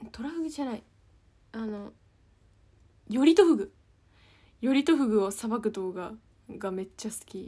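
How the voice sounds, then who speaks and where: A woman's fairly high, dark and mellow voice, somewhat breathy, with lively intonation, big swings in loudness, a moderate pace and long, frequent pauses over a quiet background. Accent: Kansai. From Kansai, Japan; Japan. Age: young. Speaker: idol livestreamer. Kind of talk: casual livestream chat with viewers. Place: home room. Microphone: phone near.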